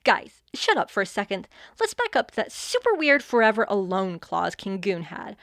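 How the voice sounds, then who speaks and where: A woman playing a brisk, bossy young godparent in an audio fantasy comedy, blunt and sardonic. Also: medium pitch, huge pitch swings, a bit bright, no room sound, studio quality. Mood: skeptical. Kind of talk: audio fiction comedy acting.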